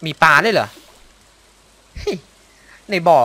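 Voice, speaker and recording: Excitable man narrating his gameplay. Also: on the high side, slow, slight background noise. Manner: excitable, exclaims and mutters to himself, makes sound effects. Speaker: gameplay commentator. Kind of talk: casual let's-play commentary.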